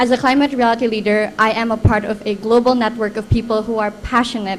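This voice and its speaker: A woman with a fairly high pitch talks at a fairly quick pace in a flat monotone, with noticeable background noise behind her. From Indonesia, Borneo (Dayak). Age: 20s. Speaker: environmental activist. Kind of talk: panel talk.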